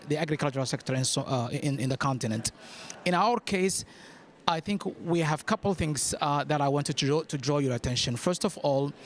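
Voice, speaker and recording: A man from Somalia speaking as a government policy director on a panel, making his points emphatically and repeating key phrases. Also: on the high side. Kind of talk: extemporaneous panel remarks.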